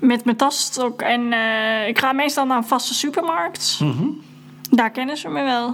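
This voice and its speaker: With lively intonation, a woman speaks at a high pitch and a fairly slow pace. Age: 20s. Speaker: visually impaired guest. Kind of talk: radio interview.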